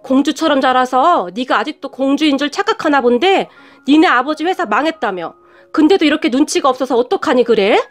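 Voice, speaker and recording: A woman's voice: high voice, expressive, a little fast, soft background music. A woman voicing her ex-boyfriend's cold, scornful middle-aged mother in a read-aloud story, scolding and talking down. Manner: sharp, scolding, talks down.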